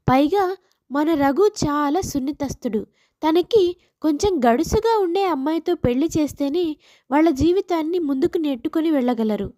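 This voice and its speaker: Woman as motherly village sister-in-law, high voice, soft mellow tone, affectionate, encouraging, storybook drama. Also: no echo, studio quality.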